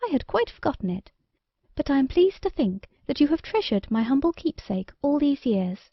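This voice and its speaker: A woman's voice: high-pitched, big pitch swings, moderate pace, no echo, muffled recording, voice pushed up. A woman voicing a gracious, affectionate fairy godmother with courteous, genteel phrasing. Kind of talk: storybook letter read in character.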